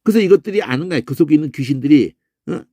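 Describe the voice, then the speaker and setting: A man teaching a Bible word-study lecture, animated, often breaking into a questioning "eh?" and imitating crow calls and shouts. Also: on the high side, very fast, no echo, clean studio sound.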